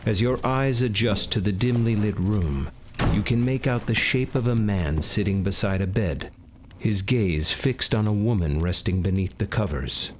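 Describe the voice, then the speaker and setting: A man reading a tabletop game's story text aloud as narrator, steady and measured. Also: fairly low pitch, a little hiss or hum. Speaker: game narrator.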